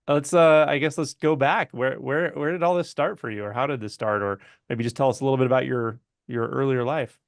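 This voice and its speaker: A man hosting an interview in a conversational, relaxed style. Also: mid-range voice, fairly quick, vocal fry, hardly any pauses, no echo, studio quality. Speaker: channel host and interviewer.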